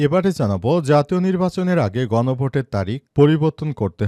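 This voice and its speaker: Over a quiet background, a man with a dark, mellow tone makes very wide pitch swings, the sound dry and close with no echo. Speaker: news presenter. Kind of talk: news reading.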